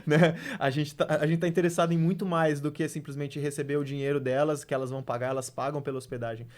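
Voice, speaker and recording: A man with a fairly high voice, speaking as a missionary guest in a relaxed podcast chat. He tells faith testimonies earnestly, sprinkling in casual fillers. When he drives his point home, his delivery turns emphatic, like a preacher's. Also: brisk. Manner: earnest, testimony-style storytelling with frequent "né" and "cara".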